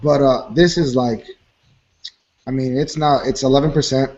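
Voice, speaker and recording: A man's voice: mid-range voice, steady tone, normal speed, a little mellow, dull audio. A man describing a beer on a video call, rambling with many fillers. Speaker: co-host. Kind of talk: casual beer tasting chat.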